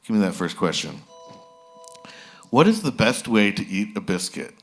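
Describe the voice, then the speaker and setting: A man's voice: on the low side, big pitch swings, moderate pace, vocal fry. A man hosting a live interview, easygoing and dry in his joking. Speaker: host.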